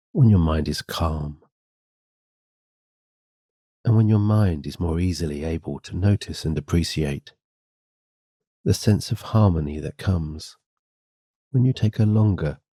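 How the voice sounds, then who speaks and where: A man giving a scripted sleep hypnosis and guided meditation in a gentle, soothing, guiding way. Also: rumbling low, husky, dry recording, clean studio sound.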